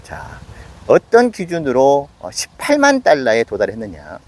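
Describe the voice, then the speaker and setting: A man's voice: mid-range voice, huge pitch swings, measured pace. A man in his late forties hosting an investment channel, talking casually and acting out his viewers' doubts. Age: 40s. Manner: conversational, self-questioning with acted asides. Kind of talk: casual investing talk to camera.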